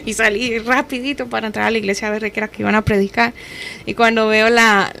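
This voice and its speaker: A woman's voice: fairly high pitch, fairly even intonation, quick pace, gravelly, a bit bright. Earnest young Dominican woman telling testimony. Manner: earnest storytelling, acting out quoted dialogue. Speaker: guest giving testimony. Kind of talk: personal faith testimony on Christian radio.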